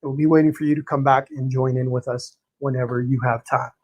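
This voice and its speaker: A man hosting a live painting stream, greeting viewers by name in a friendly, chatty way, his voice a little hoarse and tired, clearing his throat now and then. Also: medium pitch, little pitch movement, quick pace, darkish tone, slight background noise. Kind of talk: live-stream chat and teaching.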